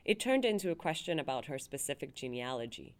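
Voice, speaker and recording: A woman podcast host reading a scripted, measured introduction. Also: extremely low pitch, big pitch swings. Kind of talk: scripted narration.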